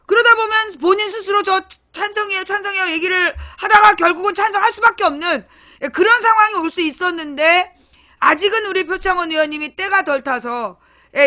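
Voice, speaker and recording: A woman's voice: extremely high pitch, pushed and bright. A middle-aged woman hosting a casual political livestream, talking animatedly with many fillers and acting out quoted lines.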